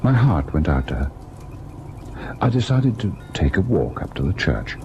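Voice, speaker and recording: Haunted young husband, low-pitched, swooping delivery, literary ghost-story narration, old radio drama. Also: male voice, big pitch swings, moderate pace, lo-fi sound, background noise. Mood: brooding. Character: devoted young husband narrating his terrifying ghost encounter.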